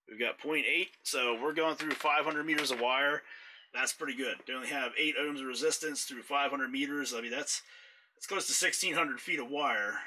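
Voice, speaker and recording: A man with a very bright, sharp-edged voice walks through a repair job in a workshop. He talks in a relaxed, explanatory way while his hands are busy with the tools. The delivery is casual and patient. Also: medium pitch, rough recording. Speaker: mower repair technician. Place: indoors, workshop floor.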